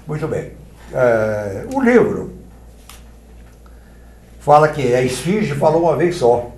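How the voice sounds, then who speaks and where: A man from Brazil, a guest on a TV talk show, demonstrating oratory in an expressive, theatrical way. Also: mid-range voice, slow pace, reverberant. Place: TV studio.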